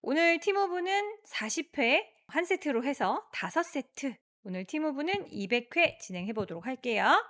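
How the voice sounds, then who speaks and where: High, lively-pitched woman leading a workout. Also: normal speed, hardly any pauses. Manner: encouraging cueing, counts reps aloud in a steady rhythm. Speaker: exercise instructor. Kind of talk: guided workout instruction with rep counting.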